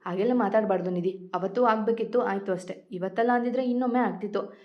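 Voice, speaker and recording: A woman's voice: mid-range voice, quick pace, highs cut off, lightly acted. Woman doing a stern caring father-in-law. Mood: firm. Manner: firm, scolding gently.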